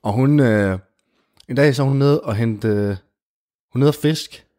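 A man telling an improvised comic story in casual chat, animated and full of fillers. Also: medium pitch. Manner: animated, jumps into character voices, many fillers like "du ved".

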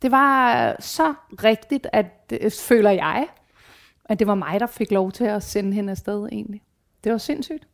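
In this casual chat, a guest in her forties with a creaky, mid-range voice shares personal stories candidly. Her storytelling is full of swearing and acted-out quotes.

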